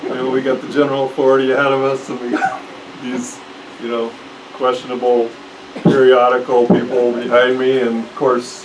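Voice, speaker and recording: A man speaks at a moderate pace. Light noise sits in the background. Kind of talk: talk. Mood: amused, storytelling. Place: shop.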